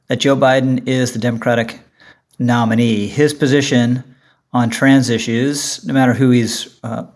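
Halting male podcast host. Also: medium pitch. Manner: halting, with many restarts. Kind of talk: political discussion.

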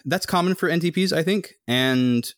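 A young man co-hosting a podcast, rambling casually with a slightly monotone, humming voice. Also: measured pace, no room sound, clean studio sound. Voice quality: somewhat monotone, humming low resonance. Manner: rambling, thinks aloud with many fillers. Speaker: podcast co-host. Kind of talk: casual chat.

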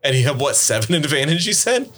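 A man's voice: fairly high pitch, very animated, fast talker, fairly bright tone, faint music behind. A man running a tabletop game as game master, teasing his players and laughing often.

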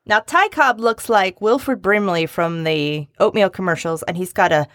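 A woman co-hosting a casual comedy chat, jokey and animated, slipping into silly voices. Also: mid-range voice, normal speed, no echo, studio quality. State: recovering from a lost voice. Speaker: podcast co-host. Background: dog barking.

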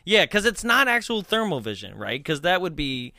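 A man's voice: high voice, very animated, normal speed, bright, forceful tone, dry recording, studio quality. A man chatting casually about a movie, laughing often and trailing off mid-thought.

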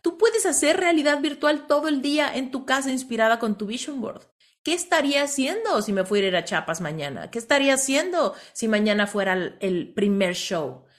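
A woman with a Mexican accent hosting a motivational coaching talk, telling stories in an animated way and often ending lines with a questioning tag. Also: sits high, a little fast. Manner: animated storyteller, tags lines with "¿no?". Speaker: host.

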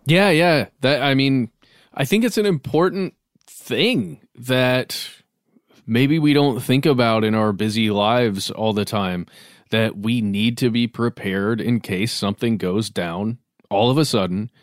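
Guy cohosting a podcast, casual talk, average pitch, close dry sound. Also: a little slow, dry recording. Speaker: podcast host. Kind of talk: casual chat.

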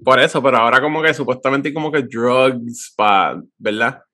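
A man's voice: medium pitch, normal speed, pushed and bright. Rambling Puerto Rican man, swearing constantly. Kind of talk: raunchy casual chat.

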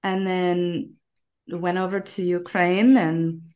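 A woman with an American accent chatting casually as a podcast guest, telling personal stories in an animated way. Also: on the low side, slow. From United States. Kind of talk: casual conversational storytelling.

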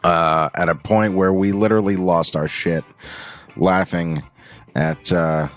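A man's voice: low voice, fairly even intonation, measured pace, soft background music. A man co-hosting a podcast in casual, rambling chat, swearing freely and poking fun at himself. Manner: rambling, profane, self-mocking. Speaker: podcast co-host.

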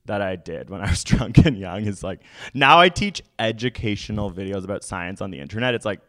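A young Canadian man in casual chat as a podcast guest, telling stories in an animated way and laughing often. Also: fairly low pitch.

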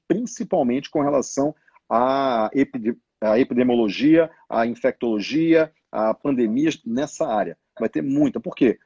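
A man's voice: medium pitch, warm tone, slightly rough, no echo, lo-fi sound. A man talking business trends in a casual, emphatic way, often voicing what others might think. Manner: colloquial, emphatic, acts out others' thoughts. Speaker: business educator.

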